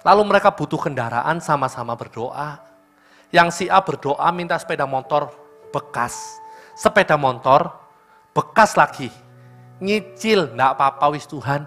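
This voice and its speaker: A man's voice: fairly high pitch, a little slow, pauses often, faint music behind. A male pastor with an East Javanese accent preaching at a church service, telling a story and speaking straight to the congregation. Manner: lively storytelling, addressing the congregation directly. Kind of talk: sermon.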